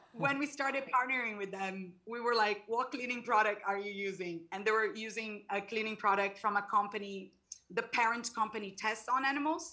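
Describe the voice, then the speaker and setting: A woman speaks at a fairly quick pace. Her pitch is fairly high, with ordinary variation. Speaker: cosmetics company sustainability staff. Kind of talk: online panel presentation and Q&A.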